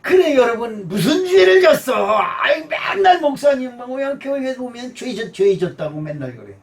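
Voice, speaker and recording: High-voiced pastor preaching from afar. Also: male voice, normal speed, recorded from a distance. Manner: animated preaching, swings from shouting to murmuring. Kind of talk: sermon.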